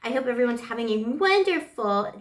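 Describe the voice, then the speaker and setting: A woman with a flu-hoarse voice giving a playful, rambling tarot reading to camera on a lapel mic. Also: a little high, expressive, fairly quick, echoey room. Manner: gushing, playful, rambling with fillers. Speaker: tarot reader. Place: small bedroom with kitchenette. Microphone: clip-on lapel mic.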